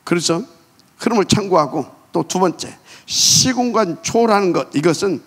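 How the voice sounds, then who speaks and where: A man preaching a sermon as pastor, emphatic, asking rhetorical questions and letting phrase ends trail off quietly. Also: high voice, expressive, normal speed, husky.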